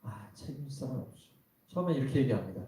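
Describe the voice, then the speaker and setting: Male pastor, dark mellow tone, chatty sermon full of rhetorical questions, recorded from a distance in a very reverberant church. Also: mid-range voice, expressive, quick pace, slight background noise. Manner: conversational preaching with rhetorical questions to the congregation. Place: church worship hall. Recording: very echoey hall, voice from some distance.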